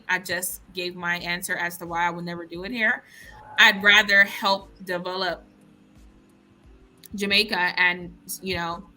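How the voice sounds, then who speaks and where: Woman, US-born panel guest, emphatic and frank, bright forceful tone. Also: medium pitch, slight background noise. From United States. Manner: emphatic, frank, restarts often. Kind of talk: casual discussion.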